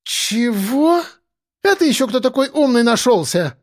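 A man voicing a shrill, brash, quarrelsome woman who yells indignantly, in an audiobook. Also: sing-song, unhurried, dry recording, clean studio sound, full character voice. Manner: screeching, indignant, yelling.

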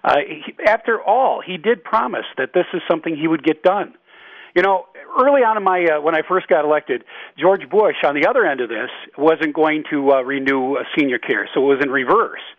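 A man, a state representative, talking earnestly on a phone-in interview, pausing often with filler sounds. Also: fairly high pitch, lively intonation, no room sound. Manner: halting, with many filler sounds; tells stories earnestly. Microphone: telephone. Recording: dull, dry phone line.

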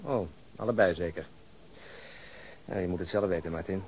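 A man's voice: low voice, moderate pace, a little mellow, rough recording. Commanding senior policeman, faint noise. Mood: deliberating. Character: commanding senior policeman planning a rooftop operation. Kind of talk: Dutch radio drama dialogue.

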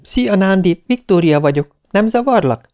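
Egy férfi által megszólaltatott csevegő fiatal doktornő. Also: male voice, sits high, lively intonation, a little mellow, pitched above the performer's own voice. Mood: cheerful. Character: young woman doctor, friendly and chatty.

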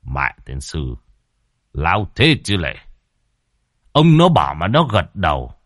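A man's voice: low-pitched, wildly swooping pitch, slow pace, fairly bright tone, no echo, clean studio sound, full character voice. A man voicing a resentful older man who mutters curses under his breath. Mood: grumbling.

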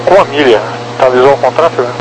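A man's voice: mid-range voice, fast talker, rough recording. A male air traffic controller with a Brazilian accent, speaking in procedural phrases over aviation radio.

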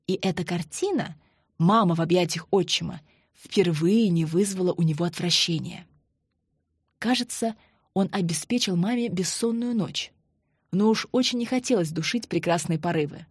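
Husky woman reading an audiobook. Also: fairly low pitch, moderate pace, dry recording, clean studio sound. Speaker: audiobook reader. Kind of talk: audiobook narration.

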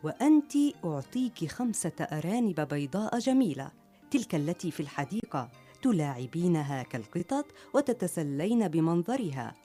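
A soft, mellow-voiced gentle mother. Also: deep voice, very animated, moderate pace, faint music behind. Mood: tender. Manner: soothing, tender, storytelling to children. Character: gentle, patient mother of three girls. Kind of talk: radio story acting.

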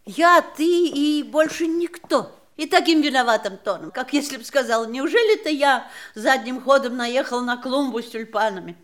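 An actress playing an elderly, bitter wife of a dying man in an audio drama, measured, reflective and dryly ironic. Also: sits high, animated. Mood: wry reminiscence. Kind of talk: stage-style audio drama acting.

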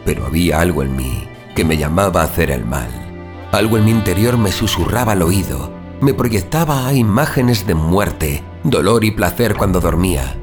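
A man's voice: low voice, animated, normal speed. A man playing a tormented superhuman vigilante who narrates his own fall into violence in a brooding, dramatic horror audio drama. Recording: dramatic music behind the voice.

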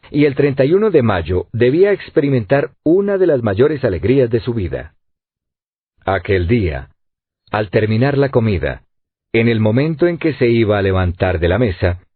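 A man narrating an audiobook in an expressive storytelling reading. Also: on the low side, slightly rough, dry recording. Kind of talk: scripted narration. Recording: dry, tinny phone-like sound.

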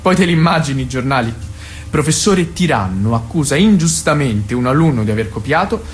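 A man's voice: medium pitch, animated, fairly quick, slight background noise, lightly acted. A man acting in a radio play as a middle-aged married father in a secret gay affair, teasing, probing and at times lyrical and confessional. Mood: teasing, insistent. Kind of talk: radio play dialogue and monologue.

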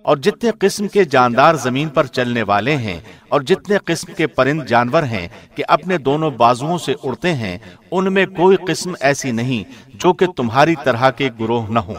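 A man reading a scripture translation from a script in a measured, formal radio-presenter manner. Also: medium pitch, expressive, fairly bright tone. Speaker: translation reader.

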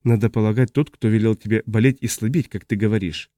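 A man reading as a calm, soothing woman. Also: lowish voice, fast, dry recording, clean studio sound. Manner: gentle, reassuring. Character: calm, soothing woman caring for a sick friend. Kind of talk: audiobook character reading.

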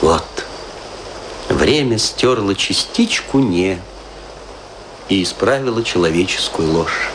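A man's voice: mid-range voice, slight background noise, close to an everyday voice, poor audio. A man playing a tipsy, self-pitying middle-aged washed-up actor, rambling confessionally in a theatrical radio play monologue. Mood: maudlin, rueful. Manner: rambling confessional, swinging between lament and mock pride.

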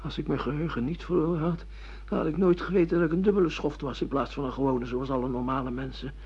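A middle-aged amnesiac, bewildered and sardonic, with a theatrical turn of phrase. The voice is fairly high for a man and very husky, with rough creak. It sounds like a radio play on a dull, lo-fi recording. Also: steady tone, fast, a little mellow. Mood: uneasy. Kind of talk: Dutch radio play acting.

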